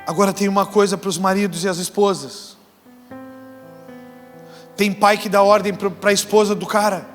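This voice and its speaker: A man preaching a sermon as pastor, acting out couples' lines and shouting rebukes. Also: sits high, fairly even intonation, normal speed, long pauses. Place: church hall. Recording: church hall reverb with faint music.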